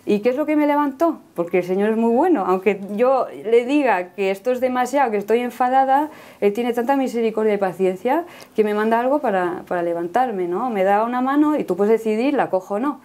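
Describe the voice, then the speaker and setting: Earnest woman in her thirties, mellow voice. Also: on the high side, fairly quick. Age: 30s. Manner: earnest, ends phrases with a questioning "no?". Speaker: guest giving a faith testimony. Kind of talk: personal testimony in conversation.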